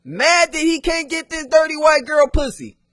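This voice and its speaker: A man giving sarcastic, emphatic casual commentary as he pauses and reacts to a clip. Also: extremely high pitch, animated, a bit bright, dry recording, clean studio sound.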